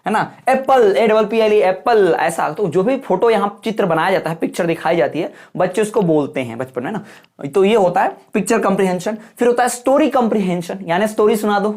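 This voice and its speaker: A man's voice: high voice, animated, fast, a little mellow. A male teacher giving an exam-prep lecture, explaining points over and over and checking that listeners follow, calling them "brother". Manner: repetitive explaining with frequent rhetorical checks; folksy, addresses viewers as brother.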